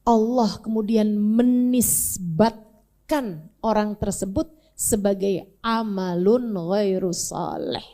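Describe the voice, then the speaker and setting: A woman preacher telling a story in a sermon, talking casually and directly to her audience, swinging between soft and emphatic. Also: mid-range voice, slow pace. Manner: colloquial, addresses audience directly. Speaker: Islamic preacher.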